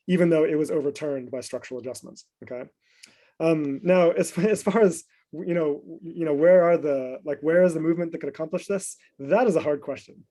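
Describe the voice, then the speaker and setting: A man's voice: fairly high pitch, mellow. Thoughtful man discussing at a panel. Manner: thoughtful, frequent restarts and "right?" tags.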